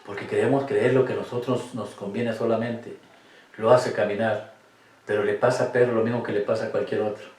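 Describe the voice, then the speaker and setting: A man's voice: fairly low pitch, little pitch movement, brisk, darkish tone. Man, Bible study teacher, emphatic, rhetorical questions, distant mic, echoey room. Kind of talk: Catholic Bible study talk. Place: room with cameras.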